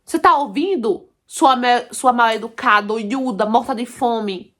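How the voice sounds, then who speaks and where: A woman's voice: on the high side, measured pace, fairly bright tone. A woman voicing a spiteful grown aunt who scolds and insults a child. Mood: shouting scorn.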